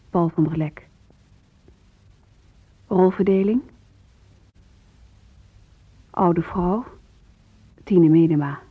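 A woman announcer with a husky voice, reading scripted radio credits in a measured way. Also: lowish voice, no room sound. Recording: narrow phone-like old radio recording.

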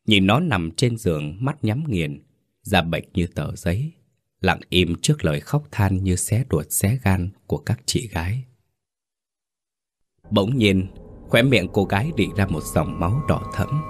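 Deep-voiced man narrating a grave story. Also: no echo, clean studio sound.

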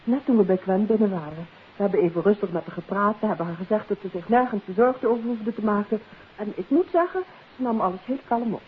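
An actress playing a composed, capable detective's wife in a 1950s radio drama, speaking politely and matter-of-factly. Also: female voice, mid-range voice, fast, lightly acted. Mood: calm, reassuring. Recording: hissy old phone-like radio recording.

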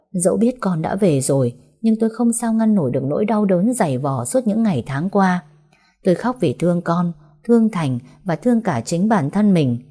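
A woman's voice: fairly low pitch, dark tone. A woman narrating a first-person audiobook story in a sorrowful, heartfelt way. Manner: sorrowful, heartfelt emotional reading.

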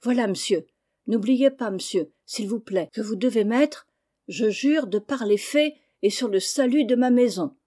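A woman reading the part of a bold schoolboy, polite and firm, who keeps calm under pressure. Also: a little high, a little slow. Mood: steady.

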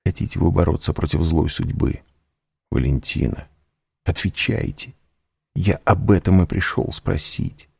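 Determined young suitor, read by a low husky man, pressing and earnest. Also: a little slow, a little mellow, dry recording, full character voice. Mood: urging. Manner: intense, pressing questions.

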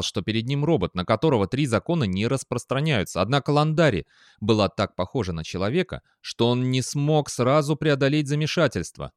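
Expressive male audiobook narrator. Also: medium pitch, dry recording, clean studio sound. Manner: expressive, with a lively tone. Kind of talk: scripted narration.

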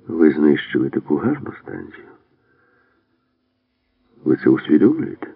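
A man's voice: a bass voice, big pitch swings, a little slow, gravelly, dry recording, heavily acted. A man reading an audiobook, voicing a nervous, wisecracking male commando who grumbles about dogs. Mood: wry worried. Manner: grumbling, joking complaints. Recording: dry, phone-like narrow band.

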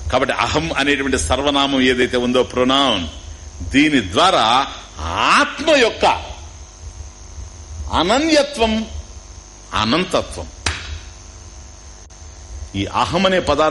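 Lively Telugu-accented man teaching scripture. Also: medium pitch, slight background noise, rough recording. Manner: lively teaching with questions and repetitions, mixing in English words. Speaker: spiritual teacher. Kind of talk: Upanishad discourse.

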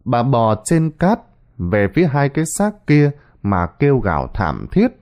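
A man's voice: medium pitch, huge pitch swings, unhurried, lo-fi sound. A man narrating a scripted horror story with a dramatic delivery.

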